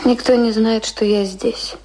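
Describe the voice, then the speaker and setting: Hesitant secretive lady in a radio drama, highish voice, careful and tentative. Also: steady tone, a little slow, warm tone, poor audio. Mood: anxious. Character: Ruth, hesitant, secretive woman seeking a reunion. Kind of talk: radio play acting.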